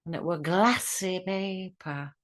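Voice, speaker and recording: A woman playing a comic Northern English widow who reminisces frankly in a slow, drawn-out, indignant monologue. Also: on the low side, pitched above the performer's own voice. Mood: frank, reminiscing.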